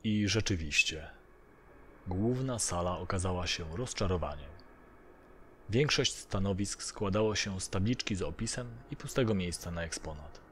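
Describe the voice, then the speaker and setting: Low-pitched male horror story narrator. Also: animated, normal speed, a little hiss or hum. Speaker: narrator of audio horror stories. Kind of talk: scripted narration of a first-person horror story.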